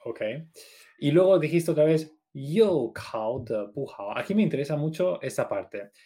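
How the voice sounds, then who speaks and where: A man's voice: on the high side, animated, normal speed, mellow, slight background noise. A man co-hosting a Chinese lesson podcast, asking questions and checking what he has understood in casual chat. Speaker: co-host of a Chinese learning podcast.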